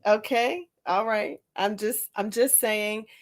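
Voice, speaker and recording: A woman's voice: mid-range voice, slow pace. A middle-aged American woman hosting a conversational interview in an affirming, encouraging manner. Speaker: podcast host and interviewer.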